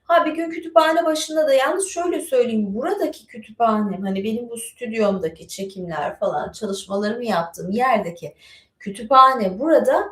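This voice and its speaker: Woman streamer, higher voice, rambling and chatty, in a roomy studio. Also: normal speed, a bit bright. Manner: chatty, digressive, many fillers. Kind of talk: casual live-stream chat and reading aloud. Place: home studio with bookshelves.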